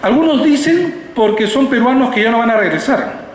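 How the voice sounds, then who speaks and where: A man's voice: very high voice, expressive, normal speed. A man with a Peruvian Spanish accent giving a public lecture, explaining in a didactic way with rhetorical questions and checking in with his listeners. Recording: echoey reverberant hall, background noise.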